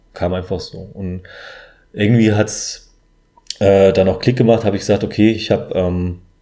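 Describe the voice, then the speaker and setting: This man talks at a moderate pace with a fairly low pitch and fairly even intonation. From Hesse, Germany (Hofheim). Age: 30s. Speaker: amateur triathlete, IT worker. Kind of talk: interview. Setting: studio, sitting across from host.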